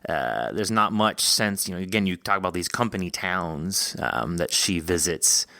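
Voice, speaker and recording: A man hosting a casual interview, talking informally and thinking aloud in an animated way. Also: low voice, moderate pace, gravelly, no echo. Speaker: podcast host interviewing an author.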